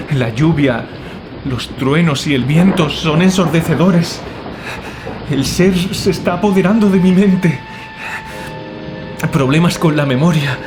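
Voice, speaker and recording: In a dramatized horror audiobook monologue, a man voices a terrified writer descending into madness as he scribbles his final frantic notes. His fairly high voice is anguished, halting and fevered, uneasy and full of dread, set against loud music.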